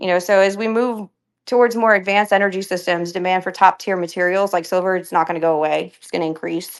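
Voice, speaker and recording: A woman talks very fast at a medium pitch. Her loudness swings widely while her intonation stays fairly even. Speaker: space host discussing markets. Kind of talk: monologue in live audio space. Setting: online audio space.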